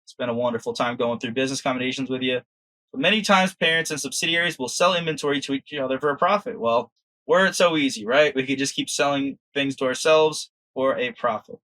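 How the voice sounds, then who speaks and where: A man's voice: medium pitch, fast talker, bright, forceful tone, no room sound, poor audio. A man giving an informal lecture as an exam prep instructor, conversational and often checking in with the listener.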